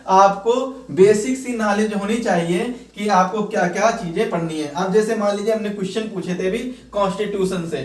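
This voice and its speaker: A man teaching an exam class, repeating and explaining points and posing questions that he then answers. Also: high voice. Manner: repetitive, explanatory, poses questions and answers them. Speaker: online exam coaching teacher. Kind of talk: instructional lecture to students. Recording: echoey room, distant microphone.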